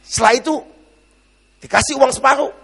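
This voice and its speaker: A man preaching a sermon as a pastor, telling a story dramatically, shouting the lines of the people in it and calling the congregation to clap. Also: extremely high pitch, fairly quick, gravelly, husky, in a large hall.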